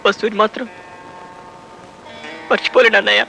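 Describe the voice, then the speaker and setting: Crying lovesick guy, higher voice, music under it. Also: steady tone, fairly quick, gravelly. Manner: tearful, pleading. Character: lovesick young man pining for a girl. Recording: film soundtrack under background music.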